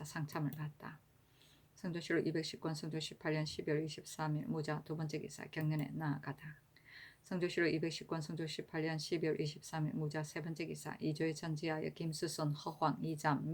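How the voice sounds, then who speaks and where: Woman, deep low voice, formal annals reading, steady even pace. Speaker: reader of historical records. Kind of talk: reading historical annals aloud.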